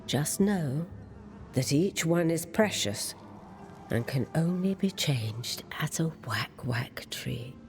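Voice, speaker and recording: A woman voicing an ancient, cryptic merchant in a video game, with a breathy, creaky voice and a measured, ominous delivery. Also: low-pitched, expressive, a little mellow, soft background music, full character voice. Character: ancient, cryptic mystical merchant warning travelers. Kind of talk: video game character acting.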